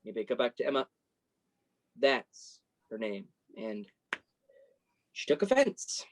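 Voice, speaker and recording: A man's voice: mid-range voice, very animated, slow. A man playing a sensitive, embarrassed college freshman in a play reading, guarded and dryly self-deprecating. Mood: troubled, explaining. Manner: self-deprecating, dry sarcasm. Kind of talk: staged reading of a play, naturalistic dialogue.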